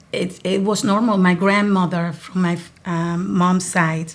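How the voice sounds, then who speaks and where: A woman's fairly low-pitched voice in monotone, flat intonation, with audible room echo. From Dominican Republic. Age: 40s. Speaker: podcast guest. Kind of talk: casual chat. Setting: studio. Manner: halting.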